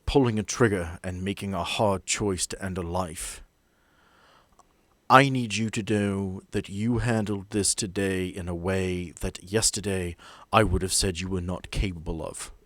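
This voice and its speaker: A man playing a stern, measured female agency boss who speaks formally and deliberately in a tabletop game. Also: low voice, a bit bright, no echo. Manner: deliberate, emphatic, formal phrasing.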